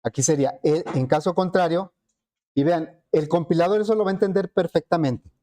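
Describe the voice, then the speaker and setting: Male teacher, mellow, slightly high voice; patient classroom explainer. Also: fairly quick. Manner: explanatory, frequent rhetorical questions to students. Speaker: programming teacher. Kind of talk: classroom lecture.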